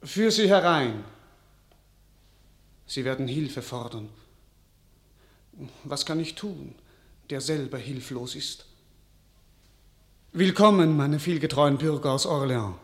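High-voiced, theatrical weak king. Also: expressive, slow, long pauses. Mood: troubled. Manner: theatrical, declamatory. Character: weak, emotional French king, helpless and self-pitying. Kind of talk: classical radio drama acting.

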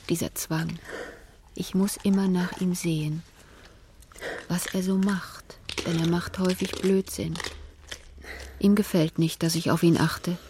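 A woman narrating in the inner voice of an anxious mother in a radio play, quiet and halting, sometimes whispering. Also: on the low side, slight background noise. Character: anxious mother of a troubled son.

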